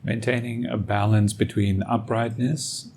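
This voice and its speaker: A man leading a guided meditation as a teacher, speaking gently and soothingly with long pauses, over music. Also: fairly low pitch, flat delivery, slight background noise. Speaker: meditation teacher and podcast host. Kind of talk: guided meditation, calm instruction.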